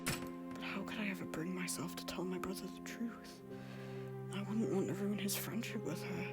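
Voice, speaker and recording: A woman's voice: mid-range voice, moderate pace, over loud music, close to an everyday voice. A woman acting in an audio drama as an anxious, earnest young royal lord, with a dramatic, emotional delivery. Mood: solemn, earnest.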